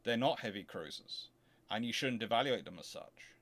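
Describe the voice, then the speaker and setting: A man's voice: lowish voice, lively intonation, normal speed, gravelly, a bit bright. Man, emphatic explainer. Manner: emphatic, digressive, self-correcting. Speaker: host answering audience questions. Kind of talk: off-the-cuff explanatory talk.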